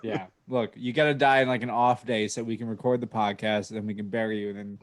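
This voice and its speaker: Deadpan man hosting a podcast. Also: lowish voice, quick pace. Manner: dry, deadpan humor. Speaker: podcast host. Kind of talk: casual chat.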